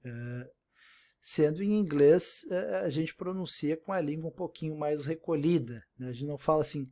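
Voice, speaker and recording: A man's voice: fairly high pitch, normal speed, warm tone. A man teaching an English lesson in Portuguese, explaining step by step and repeating example words, often checking in with "né?". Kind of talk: recorded online language lesson.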